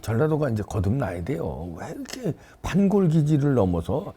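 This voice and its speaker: A middle-aged man delivers political commentary on his own show with a gravelly, husky voice. He scolds and jabs as he goes, and his pitch leaps up and drops low again and again. He sounds lively and indignant throughout. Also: normal speed. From South Korea. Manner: animated, scolding, wide pitch swings.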